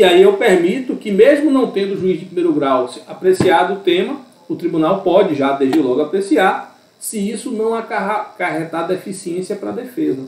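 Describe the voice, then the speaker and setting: A man with a high pitch talks at a moderate pace with lively intonation and big swings in loudness. Noticeable background noise and audible room echo surround him. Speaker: law professor. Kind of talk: lecture.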